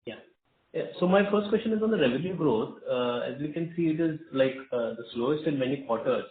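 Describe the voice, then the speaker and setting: Man questioning over the phone, polite and halting, in a roomy room on a thin phone line. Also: fairly high pitch, lively intonation. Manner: polite and hesitant, many fillers, says sir. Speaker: analyst asking questions on an earnings call. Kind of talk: business call questions. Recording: echoey tinny phone line.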